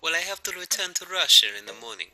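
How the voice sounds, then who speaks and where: An actor playing a courteous, earnest Russian researcher in an audio drama, with formal, careful phrasing. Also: male voice, fairly high pitch, sing-song, fast talker, crowd noise.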